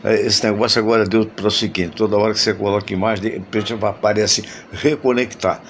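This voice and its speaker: A man's voice: lowish voice, fairly even intonation, a little fast, slight background noise. A Brazilian man hosting a casual sports chat over a video call, nasal and stuffy from a flu shot, folksy and chatty. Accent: Brazilian Portuguese. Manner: folksy, chatty, many "né?" tags. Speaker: host.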